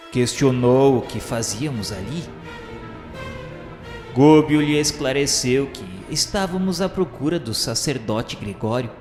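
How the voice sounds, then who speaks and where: A male narrator with a Brazilian accent tells a radio drama in solemn, literary phrasing. His mid-range voice rings with long reverb over clearly audible music. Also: mid-range voice. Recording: reverberant hall effect, music behind.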